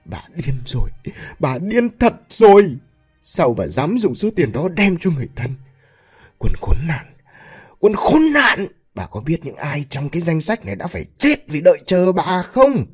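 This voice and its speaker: A man's voice: on the high side, very animated, a little fast, soft background music, pitched above the performer's own voice. A man doing a furious, bitter husband. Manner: shouting, accusing. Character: furious middle-aged husband, stern and bitter.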